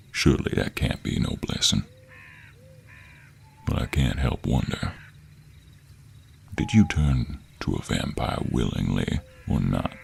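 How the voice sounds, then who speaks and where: A man playing a gruff, teasing cowboy monster hunter with a gentlemanly streak in an intimate audio roleplay, drawling in a deep, gravelly, husky American cowboy accent. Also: a little hiss or hum, exaggerated voice. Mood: probing, softening.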